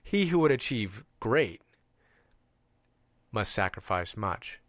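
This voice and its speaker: A man reading a self-help audiobook in a measured, deliberate way, stressing contrasts. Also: fairly low pitch, sing-song, a bit bright, no echo, studio quality. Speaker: audiobook reader.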